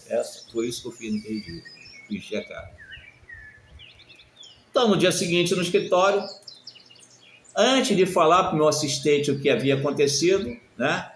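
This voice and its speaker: A man preaching a sermon and sharing his testimony, swinging between loud exclamations and soft murmurs. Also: mid-range voice, slight background noise. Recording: echoey room with faint birdsong.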